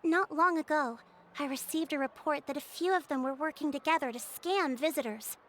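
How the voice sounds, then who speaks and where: A woman voicing a composed, diplomatic tribal chief in a video game, speaking in a polite, measured, formal way as she recounts legends and explains plans. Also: sits high, fairly bright tone, a little hiss or hum. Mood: calm. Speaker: tribe chief.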